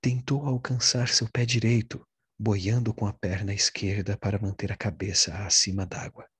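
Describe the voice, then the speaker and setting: In a dry, close sound with no echo and a very clean, silent background, a man with a fairly low pitch speaks somewhat breathily at a moderate pace with fairly even intonation. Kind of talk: audiobook narration; reading aloud a thriller, with dialogue lines read in character. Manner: steady, measured narrator pace, tense and suspenseful; unedited reading with occasional repeated words and self-corrections.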